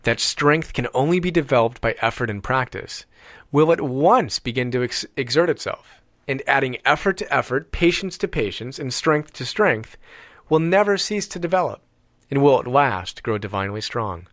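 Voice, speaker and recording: A man reading an audiobook in a deliberate, measured way with emphatic pauses. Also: medium pitch, animated, a bit bright, no echo. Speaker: audiobook reader. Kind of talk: scripted audiobook narration.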